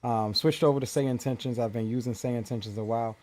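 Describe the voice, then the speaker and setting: Male podcast guest, warm mellow tone, measured explainer. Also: mid-range voice, fairly even intonation. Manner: measured, explanatory, frequent ums. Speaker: guest flight sim creator. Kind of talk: casual podcast chat.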